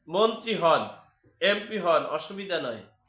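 A man's raised, projected voice, bright and sharp in tone, with ordinary pitch variation and audible room echo. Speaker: political commentator on a news channel. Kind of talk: political commentary monologue. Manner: halting, with many pauses.

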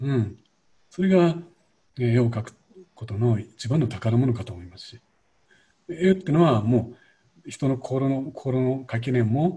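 A somewhat breathy voice with a dark, mellow tone, speaking at a moderate pace with ordinary pitch variation. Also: man. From Japan. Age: 70s. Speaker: painter, watercolour teacher. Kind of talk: interview answer. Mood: warm, smiling, gentle. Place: home room. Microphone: studio mic.

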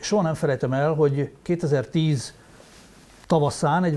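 A man speaks with a fairly high pitch and a dark, mellow tone. His voice is somewhat breathy. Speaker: sports journalist. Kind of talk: casual chat.

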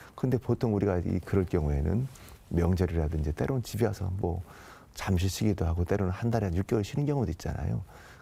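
Speaking very fast, a man with a very deep, low voice sounds somewhat breathy and dark and mellow, his intonation lively and his loudness very even. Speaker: government vice minister. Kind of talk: TV interview, policy explanation. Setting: TV studio. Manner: frequent fillers and hesitations.

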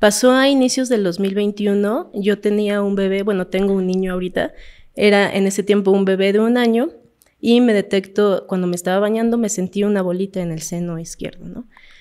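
Against a quiet background, a woman with a dark, mellow tone and medium pitch talks at a moderate pace with fairly even intonation. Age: 30s. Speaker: breast cancer survivor. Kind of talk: testimony. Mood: emotional personal storytelling. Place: studio. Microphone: studio mic.

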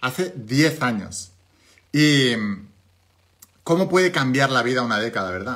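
The background stays quiet. A man talks over it. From Spain. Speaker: business mentor and online coach. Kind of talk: sales pitch. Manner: animated, motivational. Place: home room. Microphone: phone near.

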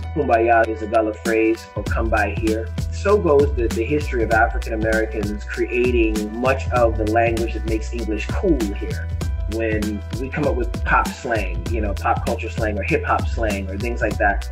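Moderate-paced speech with very wide pitch swings against clear music in the background. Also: man, very deep, low pitch for a man. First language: Gullah. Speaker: language instructor. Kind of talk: interview answer. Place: home room. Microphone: earbuds.

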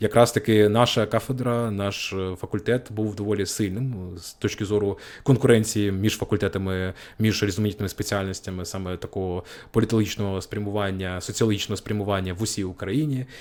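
A man with an unremarkable speaking voice talks at a fairly low pitch with fairly even intonation. The recording is very clean, the background silent. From southern Ukraine, Mykolaiv. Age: 20s. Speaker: political analyst, YouTuber. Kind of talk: monologue to camera, autobiographical. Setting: home studio, mic in front.

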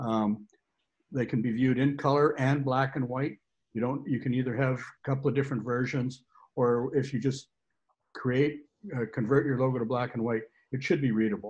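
A man speaks at a fairly quick pace with fairly even intonation and a somewhat breathy tone against a quiet background. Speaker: presenter. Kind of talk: lecture. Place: home room. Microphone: video call.

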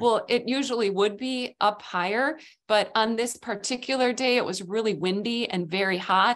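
Female speech at a medium tempo, pitch shifting in the usual way. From Wisconsin, West Bend; Wisconsin. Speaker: painter and art teacher; art teacher. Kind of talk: interview. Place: home room. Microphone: video call.

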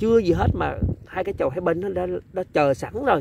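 Light background noise sits under a man's high-pitched voice, which has ordinary pitch variation and a dry sound with no echo. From Central Vietnam. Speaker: flower grower and seed seller. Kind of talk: casual vlog walkthrough. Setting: outdoors in rain. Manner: halting, repeats words. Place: garden. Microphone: phone near.

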